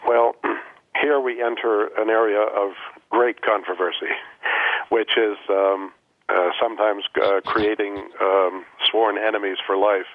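A man, a guest Egyptologist, answering in a radio interview, halting with many ums and restarts. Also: on the low side, flat delivery, no echo. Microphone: telephone. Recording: tinny phone line.

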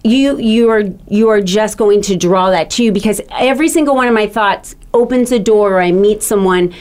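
A woman's voice: mid-range voice, normal speed, darkish tone. A woman hosting a radio talk show, speaking in an enthusiastic, promotional way with repeated phrases.

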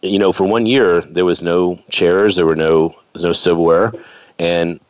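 A man's voice: low voice, steady tone, normal speed, a little mellow, no echo. A man in his fifties, from the United States, hosting an interview in a chatty, rambling way. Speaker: show host. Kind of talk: casual interview chat. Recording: dull lo-fi sound.

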